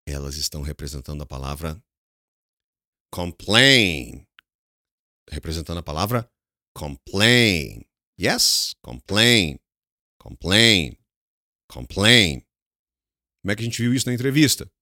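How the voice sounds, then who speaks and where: A Brazilian man with a Brazilian Portuguese accent teaching an English lesson. He slips into Portuguese to explain, repeats words slowly, and asks his students questions that he then answers himself. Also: deep voice, animated, bright, forceful tone, dry recording, clean studio sound.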